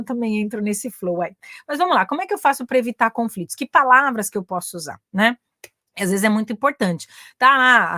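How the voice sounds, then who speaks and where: A woman's voice: medium pitch, a bit bright, no room sound, clean studio sound. A woman with a Brazilian accent teaching business English in a live online class, chatting with her audience and repeating example phrases. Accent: Brazilian Portuguese. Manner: switches between Portuguese and English examples, chatty, addresses audience as gente.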